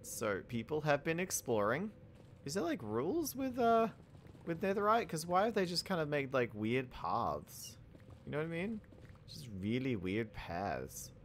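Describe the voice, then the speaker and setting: Lively rambling young gamer guy. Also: fairly high pitch, a little hiss or hum. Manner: rambling, self-mocking, quick to laugh and exclaim. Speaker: gaming YouTuber. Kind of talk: casual let's-play commentary.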